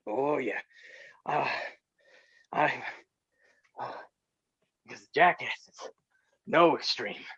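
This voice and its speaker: A man playing a swaggering hardcore wrestler in a staged promo reading, halting and deliberate, on dull lo-fi audio. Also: mid-range voice, fairly bright tone, breathy edge, no echo, full character voice. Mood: boastful menace. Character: swaggering hardcore wrestler bragging about weapons. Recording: dull, lo-fi, dry close audio.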